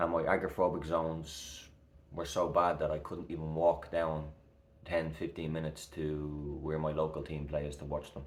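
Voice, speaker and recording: This man has a Dublin accent and a very deep, low pitch. His intonation is monotone and flat, and audible room echo surrounds his voice. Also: moderate pace. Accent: Dublin Irish. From Ireland, Dublin. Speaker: mental health vlogger. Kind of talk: personal vlog monologue. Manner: emotional, reflective.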